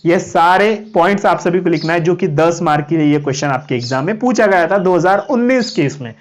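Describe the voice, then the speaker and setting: A man's voice: on the high side, lively intonation, fairly quick. A man coaching students in a live online class, chatty and repetitive, listing points one by one. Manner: chatty, repetitive, keeps saying "okay"; lists items one by one like reading notes. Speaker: online tutor for cadet exams. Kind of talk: live-stream exam coaching and course pitch.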